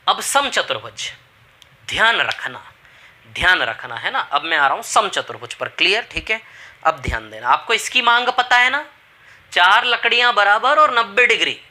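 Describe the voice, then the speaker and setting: In this classroom lesson, a male maths teacher speaks with a high voice, a sharp edge and an Indian Hindi accent. His delivery is emphatic: he repeats the main phrases and keeps checking that the class is following along.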